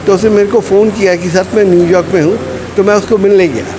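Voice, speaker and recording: There is noticeable background noise behind a man whose voice sits high in pitch. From Nakodar, Punjab, India. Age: 70s. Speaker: author. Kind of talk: interview.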